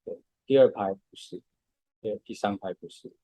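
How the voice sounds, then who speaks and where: A man's voice: on the low side, moderate pace, dark tone, no room sound. A man, patiently explaining music step by step in a casual podcast chat.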